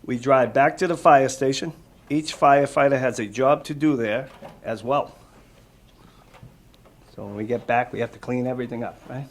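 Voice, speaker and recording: A man reads to children in an informal way, dropping in casual asides and plain explanations. His voice sits at a middle pitch, recorded live in a room with some faint noise. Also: normal speed, pauses often. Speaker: firefighter reading to children. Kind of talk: casual picture-book reading with asides. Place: room with a small audience of children.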